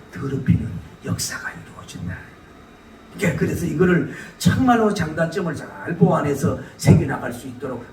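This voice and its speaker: A middle-aged man from South Korea, preaching a sermon. He shouts questions at the congregation and laughs as he goes. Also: fairly high pitch. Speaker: pastor. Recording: roomy echo, distant mic, faint hiss.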